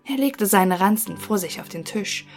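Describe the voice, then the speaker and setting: A woman narrating a fairy tale audiobook in a measured storytelling manner. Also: mid-range voice, lively intonation, soft background music. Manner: measured storytelling, quiet asides.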